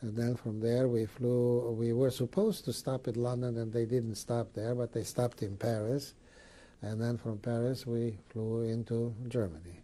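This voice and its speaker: A man in his seventies, born in Greece, recalling his life in an oral history interview, with many pauses and fillers. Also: medium pitch, steady tone, dark tone. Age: 70s.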